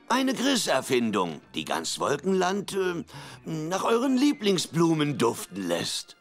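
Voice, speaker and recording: A man's voice: on the high side, huge pitch swings, slow, soft background music, exaggerated voice. A man voicing a scheming, wheedling male bear villain in a cartoon, theatrical and falsely sweet. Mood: sly, wheedling. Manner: theatrical, falsely sweet, stammering cover-ups.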